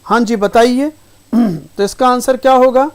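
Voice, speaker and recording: High-voiced man teaching a live class. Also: steady tone, unhurried, smooth. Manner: repeats each point, asks rhetorical questions, calls students "beta". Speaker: English teacher. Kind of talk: live online vocabulary class.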